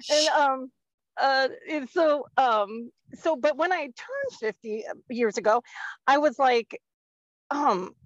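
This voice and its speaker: Rambling woman in her fifties, a bit high. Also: animated, slow pace, dry recording. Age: 50s. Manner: rambling, laughs often, many fillers. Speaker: guest. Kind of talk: casual podcast chat. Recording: dull lo-fi dry sound.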